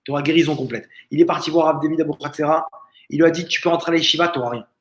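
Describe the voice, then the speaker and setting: A man's voice: a little high, very fast, echoey room. A rabbi giving a lesson in a family home, telling a story and acting out the people he quotes. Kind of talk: Torah lesson told as a story.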